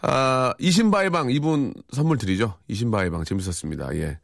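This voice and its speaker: A man's voice: medium pitch, a little fast, gravelly, no room sound, studio quality. A man hosting a radio show in casual chat, reading out listener messages with wry, chatty reactions.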